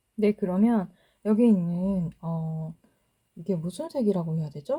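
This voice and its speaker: The voice is somewhat breathy with a dark, mellow tone. It moves at a very slow pace. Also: woman. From Gyeongsang region, South Korea. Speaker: tarot reader. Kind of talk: tarot reading; casual chat to viewers. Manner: tends to speed up when talking; trying to speak calmly.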